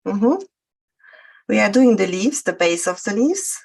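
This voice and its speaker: A woman from Hungary, speaking English with a Hungarian accent, calmly demonstrating a craft technique with frequent hesitations. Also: medium pitch, vocal fry, breathy edge. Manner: hesitant, many fillers, explains steps slowly. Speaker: guest crafter.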